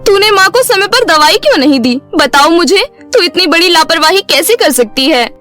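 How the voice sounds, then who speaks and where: A woman voicing an earnest, hard-working young village daughter in an animated bedtime story. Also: extremely high pitch, moderate pace, faint music behind, heavily acted. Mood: scolding, upset. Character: hard-working, caring young village daughter, scolding her lazy sister.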